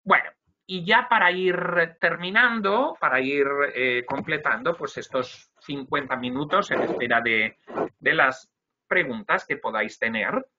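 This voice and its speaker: A young man who trains Spanish language teachers gives a webinar lecture, explaining slide by slide and peppering his talk with "ujú" and "eh." His voice is a little high and a little slow. He's in an indoor room on a webcam, with noisy background and dull lo-fi video call audio.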